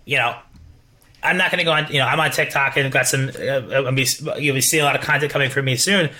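A man's voice: mid-range voice, fast. A man hosting an interview podcast, talking with energy, often restarting and adding "right?". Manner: energetic, repeats words, tag questions. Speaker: podcast host. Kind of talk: casual interview chat.

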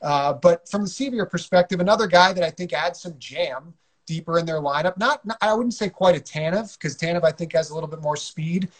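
A man hosting a casual hockey podcast, talking in a steady, measured, analytical way. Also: on the high side. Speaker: podcast host.

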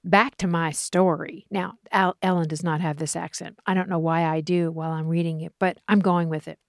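Animated woman podcast co-host. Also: on the low side, fairly quick, no room sound, studio quality. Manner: animated, laughs often. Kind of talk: casual chat.

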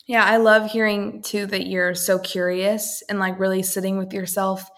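A woman's voice: mid-range voice, level tone, normal speed, fairly bright tone. A young woman co-hosting a casual chat podcast, talking in an encouraging, supportive way. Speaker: podcast co-host.

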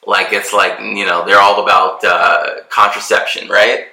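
A man's voice: lowish voice, flat delivery, measured pace, creaky, pushed and bright. A man from Texas in casual chat, talking earnestly and rambling with many fillers and restarts. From Texas, USA. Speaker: vlogger, expat in Mexico. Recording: roomy echo.

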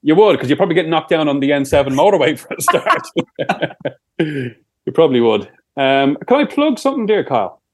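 A man's voice: fairly high pitch, very animated, a little fast, a little mellow. Young irish guy swearing through a story, voice bouncing all over. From Ireland. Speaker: podcast co-host. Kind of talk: casual chat.

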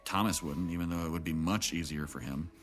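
A man's voice: deep voice, brisk, fairly bright tone. A man playing a jaded, guarded middle-aged man in an audio drama, with wry, reflective delivery. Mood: bitter, resigned. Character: jaded, guarded older man, bitter about his family. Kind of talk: naturalistic audio drama acting. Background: background music.

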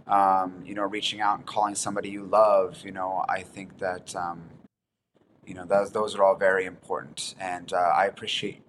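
A man in his thirties, a chef guest on a podcast, speaking calmly and earnestly in casual chat. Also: deep voice, normal speed, a little hiss or hum. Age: 30s.

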